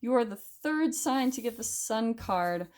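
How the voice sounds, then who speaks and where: A woman's voice: fairly high pitch, expressive, unhurried. A woman giving a casual tarot reading straight to her viewers. She talks loosely, with plenty of fillers and the odd casual swear. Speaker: tarot reader.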